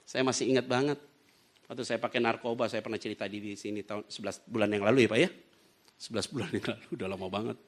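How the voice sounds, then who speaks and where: A man's voice: fairly low pitch, fast. A man preaching a sermon, telling stories and acting out the voices of the people in them. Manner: lively storytelling preacher who acts out dialogue. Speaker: pastor. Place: church.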